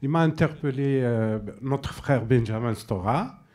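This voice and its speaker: A man from Algeria whose first language is Arabic, a filmmaker speaking from the floor at a public debate, emphatic and halting. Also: medium pitch, darkish tone. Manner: emphatic, halting, with abrupt drops. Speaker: audience member, filmmaker.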